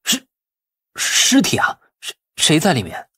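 Young nephew role, male narrator: eager, flustered, deferential, husky, very animated pitch, audiobook drama. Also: a little slow, heavily acted. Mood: alarmed. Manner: expressive, colloquial, exclaiming.

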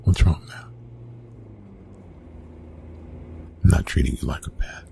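A man playing a gruff, reluctant young college bully in an ASMR roleplay, talking in a hushed, halting, casual way. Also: slight background noise, lightly acted. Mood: exasperated, hushed. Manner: hushed, halting, casual, often breathy whispering. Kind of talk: ASMR roleplay, intimate one-sided dialogue.

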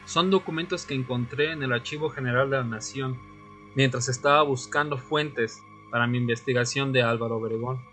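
A man playing a brooding vampire, once a history student, in a radio drama, speaking solemnly in short, deliberate phrases. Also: medium pitch, a bit bright, lightly acted. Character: brooding male vampire, former history student, seeking answers. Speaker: narrator and lead actor. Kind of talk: audio drama narration and dialogue. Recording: music bed under the voice.

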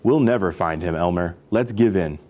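A man's voice: low voice, normal speed, darkish tone, pitched below the performer's own voice, lightly acted. A man voicing a simple, earnest elephant from a herd in a children's storybook, exclaiming and questioning.

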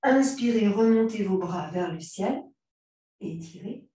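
Slow calm woman yoga teacher, echoey room. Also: mid-range voice. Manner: calm, unhurried cues timed to the breath. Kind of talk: guided yoga class instruction. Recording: very echoey room, mic far off.

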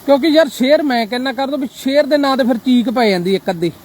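High-voiced Punjabi man preaching to viewers. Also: quick pace, darkish tone, a little hiss or hum. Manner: preachy, quotes scripture, keeps asking "right?". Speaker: social media livestreamer. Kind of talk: casual livestream address to viewers.

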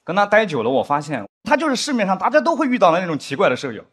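A young adult man performing a stand-up comedy set on a studio stage, animated, now and then acting out stiff drama lines in a lower voice. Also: racing, slightly rough. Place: studio stage with live audience. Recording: studio stage with audience laughter. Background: audience laughter.

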